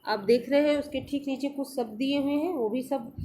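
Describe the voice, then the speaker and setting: A woman's voice: sits high, a little fast, dark tone, slight background noise. A woman teacher leads a reading lesson for young children. She sounds out each syllable and then says the whole word.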